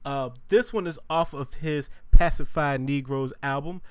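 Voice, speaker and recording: A man's voice: on the high side, unhurried, clear, resonant tone, dry recording. A man hosting a podcast in an easygoing, casual way, hyping up his listeners. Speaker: podcast host.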